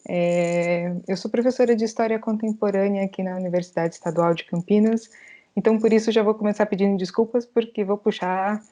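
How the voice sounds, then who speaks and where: A woman with a Brazilian Portuguese accent, a history professor, asking a long measured interview question. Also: medium pitch, fairly even intonation, mellow. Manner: measured, fills pauses with "né?".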